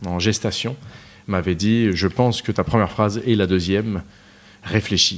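A man talks in a normal speaking voice, fairly low in pitch, with fairly even intonation and a fairly slow pace. The recording is very clean, with a silent background. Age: 30s. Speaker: novelist. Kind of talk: interview.

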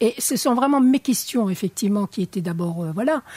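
Her voice is fairly high in pitch, and this woman has a dark, mellow tone. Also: dry, close sound with no echo. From Algeria. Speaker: journalist and author. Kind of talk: radio interview. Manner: halting.

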